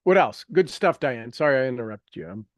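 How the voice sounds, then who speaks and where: A man's voice: mid-range voice, lively intonation, a little fast, dry recording. Emphatic man coaching, close dry sound. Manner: emphatic, repeats phrases for effect. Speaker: host and coach leading a group call. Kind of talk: informal motivational group coaching talk.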